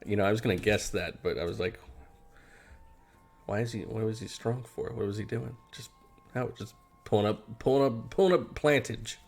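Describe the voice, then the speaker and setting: A man's voice: fairly low pitch, normal speed, gravelly, darkish tone, faint music behind. A man chatting casually about cartoons and games, with casual swearing. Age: adult. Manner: casual, profane. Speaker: podcast host.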